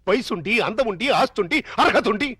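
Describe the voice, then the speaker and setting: Film comedy old father-in-law, high voice, lively swooping pitch, fast talk. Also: slightly rough, full character voice. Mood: earnest pleading. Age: older. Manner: blustering, pleading then bargaining. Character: anxious older man, father-in-law and moneylender. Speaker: film character, grandfather.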